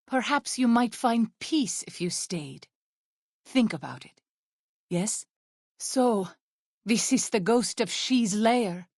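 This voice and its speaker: An actress voicing a gentle, devout young tribal woman scout in a video game, speaking in measured, formal phrases with earnest solemnity. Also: medium pitch, dry recording, clean studio sound. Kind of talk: video game character dialogue.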